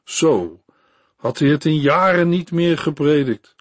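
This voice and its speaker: A man narrating a Christian story in a calm, measured reading voice. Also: a little high, no echo. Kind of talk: read-aloud Christian story.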